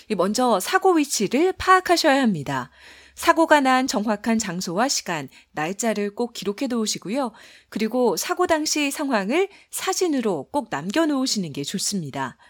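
A woman hosting a language lesson, giving scripted broadcast narration in a polite, explanatory presenter's voice. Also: fairly high pitch. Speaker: lesson host. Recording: faint background music.

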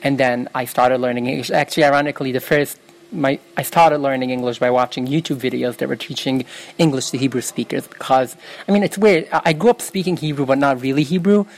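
A woman's voice: rumbling low, fast, low-quality recording. A young woman from New York, a native Yiddish speaker, answering interview questions in an earnest, self-correcting way. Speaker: interview guest.

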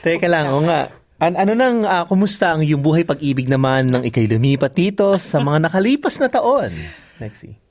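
Co-host: man, playful, lively melody, pitch a little high. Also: a little fast. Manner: playful, animated, mixes Tagalog and English. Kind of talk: casual podcast interview.

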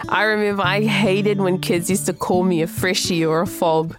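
A woman's voice: medium pitch, fairly even intonation, moderate pace. A woman born in Samoa and raised in New Zealand, hosting a podcast in scripted narration with personal stories. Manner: reflective, personal storytelling. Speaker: podcast host. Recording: music bed underneath. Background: guitar music.

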